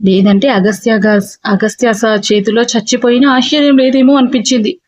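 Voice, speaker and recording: A woman narrating a first-person story in an expressive, lively reading. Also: fairly high pitch, brisk, a little hiss or hum.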